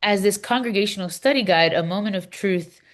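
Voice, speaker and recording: A woman playing an earnest, impassioned Palestinian Christian in a scripted readers theater dialogue, speaking in a measured, emphatic way. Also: medium pitch, close to an everyday voice. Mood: indignant, grave.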